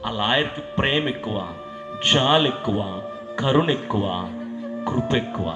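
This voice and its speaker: A man's voice: mid-range voice, animated, a little slow. A male evangelist telling a dramatic sermon story with rhetorical questions. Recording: echoey hall with long reverb and faint music.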